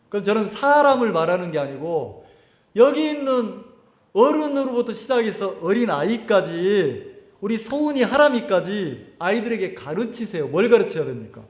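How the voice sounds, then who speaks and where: A man's voice: sits high, very animated, moderate pace. Man, pastor, sermon, rhetorical questions, echoey church hall. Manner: asks the congregation rhetorical questions and answers them; acts out quoted voices of churchgoers. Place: church hall at a summer camp.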